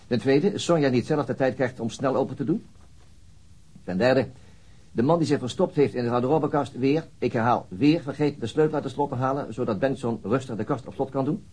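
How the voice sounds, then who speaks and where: An actor playing a weary, worried police detective in a radio drama, with a husky voice and a brooding, measured manner. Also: male voice, mid-range voice, a little mellow, close to an everyday voice. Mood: dry, needling.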